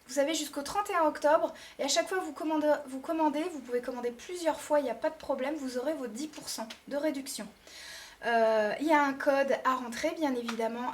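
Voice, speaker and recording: A woman beauty vlogger giving a casual product review to the camera. She chats directly to her viewers and lists items one by one. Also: high voice.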